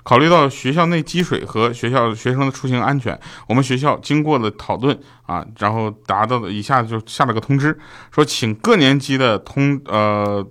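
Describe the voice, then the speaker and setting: A man's voice: mid-range voice, normal speed, fairly bright tone. A young man hosting a livestream, telling comic stories and laughing at his own punchlines. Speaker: livestream host. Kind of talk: comic storytelling monologue.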